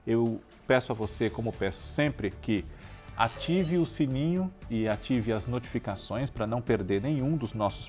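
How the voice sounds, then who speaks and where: A man's voice: lowish voice, darkish tone. A man with a Brazilian Portuguese accent hosting a tribute show, talking conversationally to viewers and often adding chatty tag questions. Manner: chatty, frequent tag questions seeking agreement. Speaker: show host.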